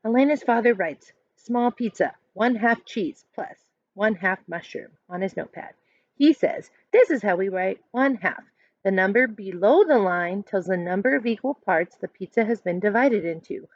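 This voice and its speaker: A woman in her thirties reading a children's book aloud like a teacher, expressive and instructive, pausing to explain. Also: medium pitch, dry recording. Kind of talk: read-aloud storytelling with explanations. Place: small furnished room indoors at home. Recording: dull lo-fi webcam sound.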